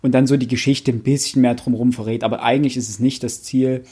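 A man's voice: mid-range voice, fairly even intonation, quick pace, dark tone, husky. A man in a casual discussion, explaining things like a knowledgeable fan. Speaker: book podcast panelist.

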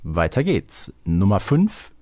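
A man's voice: deep voice, wildly swooping pitch, slow pace, darkish tone, no echo. A man co-hosting a podcast, chatting casually through a quiz game. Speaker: podcast host playing a quiz. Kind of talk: casual chat.

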